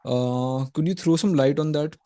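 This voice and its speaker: A man's voice: fairly high pitch, moderate pace, mellow, dry recording. A man with an Indian accent asking polite but pointed questions as an analyst on a conference call.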